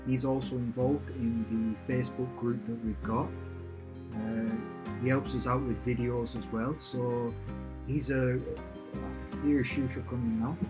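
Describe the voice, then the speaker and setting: A man's voice: medium pitch, fairly even intonation, measured pace, over music. Chatty man on a home live stream. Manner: rambling, restarts sentences, chatty and upbeat. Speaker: channel host answering live questions. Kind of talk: casual live-stream chat. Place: at home with family and a cat nearby.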